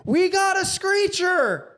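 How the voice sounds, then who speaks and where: A young man with a higher-pitched voice, a podcast co-host telling stories in casual chat and slipping into playful voices for the people he quotes. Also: sing-song, slow, fairly bright tone. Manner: storytelling with playful voice impressions.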